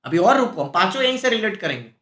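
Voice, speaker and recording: A man teaching a live-streamed exam-prep class, animated and scolding, full of rhetorical questions. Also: sits high, fast talker. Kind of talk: lively live-streamed lecture. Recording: echoey room.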